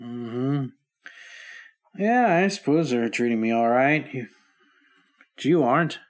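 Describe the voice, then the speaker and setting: An anxious heart patient. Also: male voice, mid-range voice, expressive. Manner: anxious, halting, stubborn. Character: worried middle-aged man with heart trouble. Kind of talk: 1950s radio drama acting.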